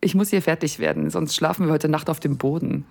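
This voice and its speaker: A woman's voice: sits low, steady tone, a little fast, vocal fry, a little mellow, full character voice. A woman playing a confident, playfully dominant lover in an erotic audio drama. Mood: amused.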